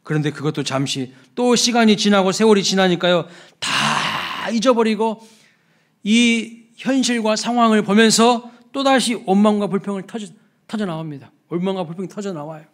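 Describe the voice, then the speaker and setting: A man delivering a Sunday sermon, his voice sitting a little high for a man. He preaches emphatically, falling suddenly soft and then rising again to act out exclamations. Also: brisk. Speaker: pastor. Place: church sanctuary.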